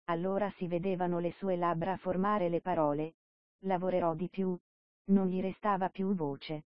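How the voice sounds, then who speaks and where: Low-voiced woman reading a story aloud. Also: no room sound. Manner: measured, steady storytelling. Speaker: audiobook narrator. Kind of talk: scripted narration. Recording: dull dry lo-fi recording.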